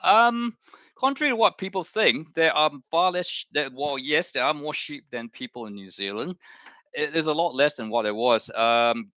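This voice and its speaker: Bright, clear-voiced rambling male streamer. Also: on the high side, lively intonation, normal speed, no echo. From Malaysia. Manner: chatty, rambling, self-correcting. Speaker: live-stream host. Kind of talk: casual watchalong chat.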